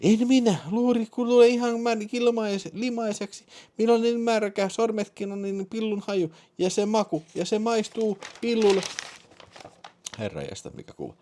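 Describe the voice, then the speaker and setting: A man voicing an aroused woman caller on the phone in a comic dramatic reading, with a squeaky mock falsetto and panting delivery. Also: lively intonation, mellow. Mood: breathless, lusty.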